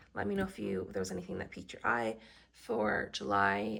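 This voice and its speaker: A woman at a very fast pace, over noticeable background noise. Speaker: planner youtuber. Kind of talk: casual video flip-through. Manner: low voice.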